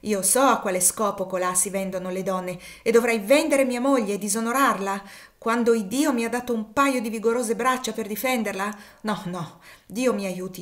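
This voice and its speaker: A woman voicing a fierce young man who speaks in a low, intense voice. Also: natural voice. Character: fierce young man defending his family.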